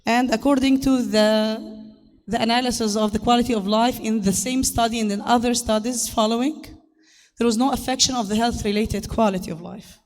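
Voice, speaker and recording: A woman with a harsh, hoarse voice gives a formal medical lecture as a conference speaker, in a halting, hesitant delivery. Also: fairly high pitch, steady tone, a little mellow. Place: large conference hall. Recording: echoey hall, long reverb.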